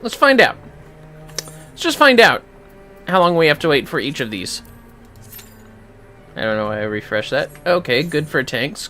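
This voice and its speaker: A man's voice: on the high side, bright, forceful tone. A man casually chatting to viewers on a gaming livestream, rambling and swearing as he talks to himself. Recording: music playing behind the voice. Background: clear music.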